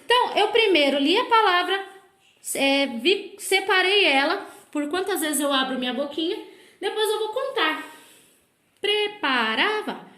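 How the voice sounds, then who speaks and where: A woman with a Brazilian Portuguese accent, a primary school teacher giving a recorded lesson to children and sounding out words slowly, syllable by syllable. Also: extremely high pitch, expressive, pushed and bright. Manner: slow, exaggerated syllable-by-syllable explanations. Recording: echoey room.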